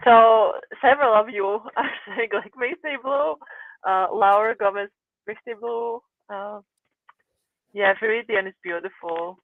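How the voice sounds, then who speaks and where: A woman's voice: mid-range voice, measured pace, no room sound. Woman on a tinny call line. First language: not English. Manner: reads chat comments aloud, hesitant with restarts. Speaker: guest artist. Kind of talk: casual livestream chat. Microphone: video call. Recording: tinny phone-like call audio.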